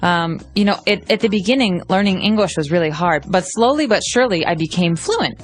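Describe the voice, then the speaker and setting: A woman's voice: fairly low pitch, expressive, a little fast, soft background music. A woman co-hosting an English lesson podcast, explaining phrases with examples. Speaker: co-host, English teacher. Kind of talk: language lesson podcast chat.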